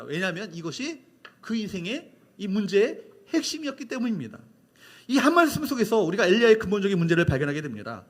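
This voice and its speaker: High bright-voiced male pastor. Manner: emphatic, repetitive, asks the congregation questions. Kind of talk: sermon.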